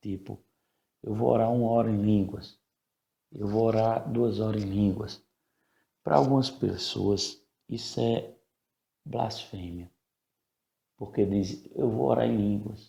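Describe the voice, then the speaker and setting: Soft-spoken and somewhat breathy, a man speaks very slowly at a fairly low pitch with ordinary variation, a dark, mellow tone, and long, frequent pauses. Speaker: preacher. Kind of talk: bible study.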